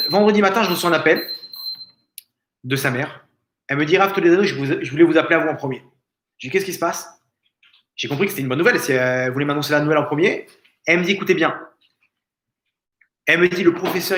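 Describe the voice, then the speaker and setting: Man, rabbi, lively storytelling lesson, higher voice, echoey room. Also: fast talker, pauses often, slight background noise. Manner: animated storytelling, acting out quoted speakers. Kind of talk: Torah lesson told as a story. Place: family home.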